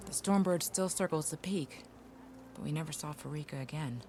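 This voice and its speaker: A woman's voice: low-pitched, moderate pace, over music. An actress playing a spirited, argumentative female tribal soldier in a video game. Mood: matter-of-fact, regretful. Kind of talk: video game cutscene acting.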